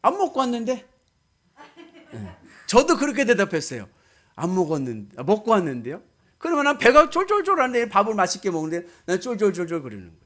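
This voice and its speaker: A man's voice: sits high, wildly swooping pitch, a little fast, fairly bright tone. A man preaching a sermon as a pastor, exhorting emphatically and putting questions to his listeners. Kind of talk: sermon with storytelling and direct questions to congregation.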